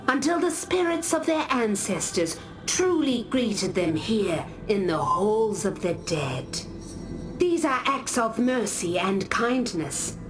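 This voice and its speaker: A woman playing a solemn, discreet tribal warrior in a video game, speaking gravely and deliberately. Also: medium pitch, low-quality recording. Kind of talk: video game character dialogue. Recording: loud music behind the voice.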